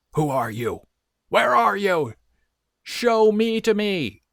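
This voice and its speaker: A very slow, high-pitched put-on character voice from a man. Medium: read story. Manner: bombastic, self-important.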